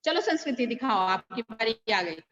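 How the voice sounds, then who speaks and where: Indian woman teacher, high voice, patient corrections, dull video call sound. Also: sing-song, normal speed, fairly bright tone. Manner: corrects pupils patiently, calls them by name. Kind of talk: online class checking homework.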